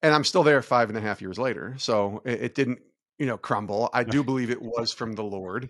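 A man talks at a moderate pace in a normal speaking voice, at a medium pitch with ordinary pitch variation. The background is quiet, and the sound is dry and close with no echo. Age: 40s. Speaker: sports media director and podcast host. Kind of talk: interview.

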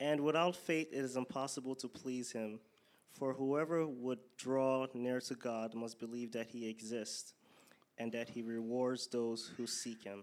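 A man at a medium pitch with a Yoruba accent, fairly slow in pace and fairly even in intonation. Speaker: scripture reader. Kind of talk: reading aloud. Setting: church.

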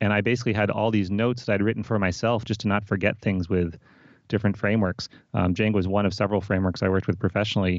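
Over a quiet background, a man with a fairly low pitch talks at a very fast pace in monotone, flat intonation at very even loudness. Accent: American. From Vermont, US. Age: 30s. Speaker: author and programming teacher. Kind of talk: interview.

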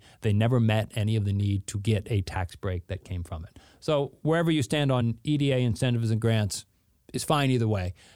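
A man with an American accent and an ordinary speaking voice, medium pitch, ordinary pitch variation, very clean recording with a silent background. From Northern Virginia. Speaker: magazine editor. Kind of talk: interview conversation.

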